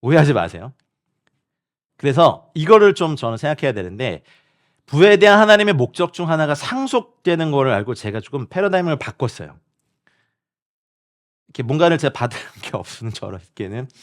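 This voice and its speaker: A man's voice: fairly high pitch, a little fast, pauses often. A man preaching as a missionary at a midweek prayer meeting, speaking directly to the congregation and online viewers and often acting out other people's words. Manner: animated, acts out quoted people and laughs often while preaching.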